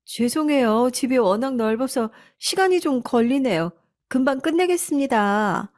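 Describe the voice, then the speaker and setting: A woman's voice: high voice, expressive, moderate pace, a little mellow, pitched above the performer's own voice. A woman voicing a meek middle-aged housekeeper in a storybook drama, speaking politely and apologetically. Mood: apologetic.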